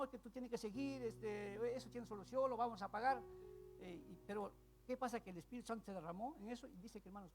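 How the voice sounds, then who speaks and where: A man preaching a sermon, telling a story with loud bursts and then dropping to hushed asides. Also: extremely high pitch.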